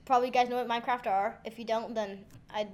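Teen girl, high voice, giggly and rambly, casual family podcast chat. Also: fairly even intonation, quick pace. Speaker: daughter telling family stories.

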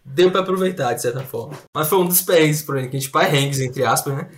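Lively man telling stories. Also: on the high side, quick pace, a little hiss or hum. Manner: animated anecdote telling, laughing through stories. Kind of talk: casual storytelling chat.

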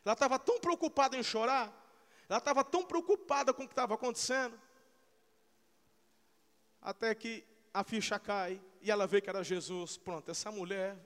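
A man preaching a sermon, emphatic and repetitive, swinging between loud, fervent peaks and slow, hushed passages. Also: high-pitched. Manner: emphatic, repeats phrases, frequent hallelujahs. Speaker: pastor. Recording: long hall reverb.

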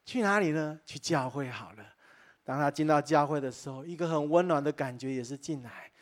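Earnest higher-pitched male pastor preaching. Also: animated, brisk. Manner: earnest storytelling, frequent exclamations of wonder; addresses listeners directly and warmly as dear friends. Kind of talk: sermon. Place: church, preaching to a live congregation.

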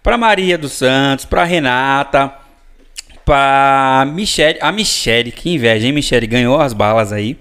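A man's voice: medium pitch, measured pace, a bit bright, clear, resonant tone. Teasing Brazilian man co-hosting a podcast. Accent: Brazilian Portuguese. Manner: playful, teasing. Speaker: podcast co-host. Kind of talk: casual live podcast chat.

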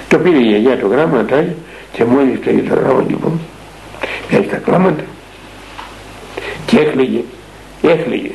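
A man's voice: medium pitch, gravelly, a little mellow, slight background noise, poor audio. An older man, a monastic elder and spiritual father from Greece, telling a story in a radio interview in an earnest, rambling way with many fillers and restarts.

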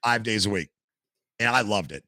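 An older American man, a retired firefighter, telling animated stories as a podcast guest over a video call. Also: lowish voice, moderate pace, no room sound. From United States. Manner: animated anecdotal storyteller. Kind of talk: casual storytelling interview. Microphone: headset.

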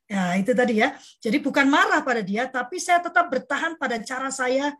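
Husky higher-voiced woman moderator. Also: expressive, fairly bright tone. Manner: explains with acted example dialogues, slows on key points. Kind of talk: discussion talk.

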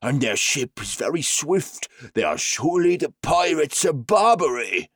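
A man's voice: fairly high pitch, big pitch swings, a little slow, a bit bright, pitched above the performer's own voice, full character voice. A man voicing a growly, mumbling, loyal dog in a storybook reading. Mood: grim warning. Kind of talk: storybook character voice.

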